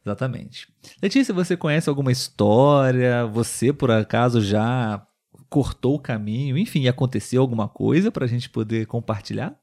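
A Brazilian man co-hosting a Portuguese lesson, explaining expressions clearly and slowly and often ending with a tag question. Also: medium pitch, expressive, darkish tone. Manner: clear, slow teacher talk with tag questions. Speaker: co-host of a Portuguese lesson channel.

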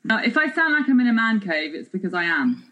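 A woman's voice: fairly high pitch, sing-song, brisk, bright, forceful tone, muffled recording. A woman co-hosting a casual chat podcast, her voice echoing as if she were recording in a tunnel or a cave. She talks in a chatty, self-mocking, rambling way. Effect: echoey tunnel-like sound, as in a cave. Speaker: podcast co-host. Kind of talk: casual chat between friends.

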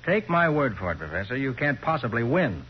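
An actor playing a level-headed, easygoing private detective, blunt and assured, in 1940s radio style. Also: male voice, medium pitch, big pitch swings, a little fast, breathy edge. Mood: skeptical. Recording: muffled old radio recording.

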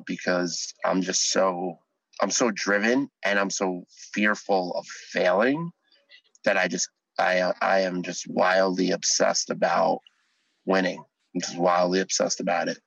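A man's voice: low voice, fairly even intonation, moderate pace, vocal fry, fairly bright tone, slightly rough, no room sound, rough recording. A middle-aged man, an educator, speaking earnestly as a podcast guest about his mission. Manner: earnest, driven, speech-like. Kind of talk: casual podcast interview.

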